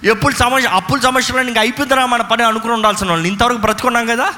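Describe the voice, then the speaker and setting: Fervent high-voiced male pastor. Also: steady tone, racing. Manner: fervent, repetitive exhortation, calls for loud praise. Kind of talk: sermon with prayer. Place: church. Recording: reverberant church hall with music.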